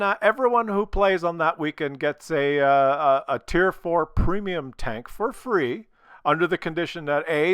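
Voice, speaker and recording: Bright-voiced man with a cold. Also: on the high side, smooth, no room sound. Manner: blunt and opinionated, swears freely. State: losing his voice from a cold. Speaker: gaming video creator. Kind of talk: casual commentary to viewers.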